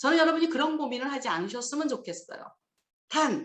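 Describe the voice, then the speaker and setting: A woman speaks in a high pitch. Her tone is bright and sharp. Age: 60s. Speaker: network marketing leader. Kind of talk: motivational talk. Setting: video call.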